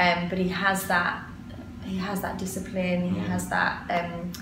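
Noticeable background noise runs under this recording. A woman with a medium pitch speaks at a fairly slow pace. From England. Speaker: musical theatre actress. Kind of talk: casual interview. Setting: theatre. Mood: warm, enthusiastic. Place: home room.

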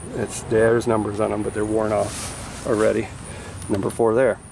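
At a moderate pace, the speech comes through dry with no echo, over noticeable background noise. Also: man. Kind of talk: casual vlog chat. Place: street. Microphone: phone near.

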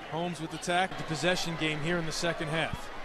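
A man speaks in an energetic tone at a high pitch. Noticeable background noise sits behind him. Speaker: play-by-play football announcer. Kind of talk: live sports commentary, play-by-play call of a college football game. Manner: rapid-fire, clipped, energetic play-by-play delivery.

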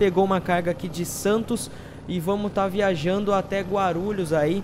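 Man with a high pitch, fairly even intonation and moderate pace, noticeable background noise around him. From Brazil. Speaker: gaming youtuber. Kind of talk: casual chat. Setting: home recording with facecam. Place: home room. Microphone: headset.

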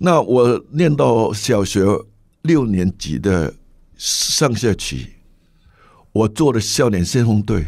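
A man with a fairly low pitch speaks at a very slow pace, his voice showing vocal fry. His pitch swings very widely, and his pauses are long and frequent. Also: very clean recording, silent background. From Hong Kong. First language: Cantonese (speaking Chinese). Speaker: retired pastor. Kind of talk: interview.

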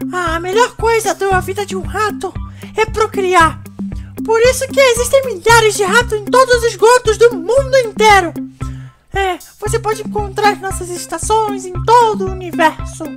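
A put-on character voice over faint music in the background. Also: moderate pace.

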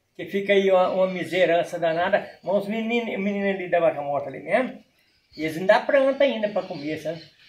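A man's high voice at a very fast pace, with big swings in loudness, ordinary pitch variation and audible room echo. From rural Goiás, Brazil. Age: 60s. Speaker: local farmer. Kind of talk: casual interview. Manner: halting. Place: street.

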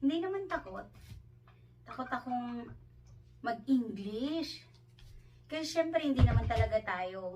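A woman's high voice at a fairly slow pace, with very wide pitch swings, big shifts in loudness, long frequent pauses and noticeable background noise. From Western Visayas, Philippines (Ilonggo). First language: Hiligaynon (Ilonggo) (speaking Tagalog). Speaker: vlogger and fast-food crew worker. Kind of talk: casual vlog. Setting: at home indoors.

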